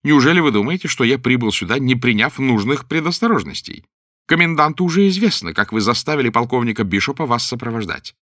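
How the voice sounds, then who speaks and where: A man voicing an enraged, haughty English nobleman in a storybook reading, shouting with indignation. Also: medium pitch, expressive, fast talker, dry recording, studio quality, pitched above the performer's own voice, lightly acted. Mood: furious.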